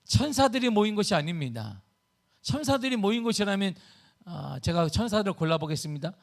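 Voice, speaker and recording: A middle-aged man preaching a sermon as pastor, telling a story with sudden swings between loud bursts and hushed asides. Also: high-pitched, sing-song, brisk, gravelly.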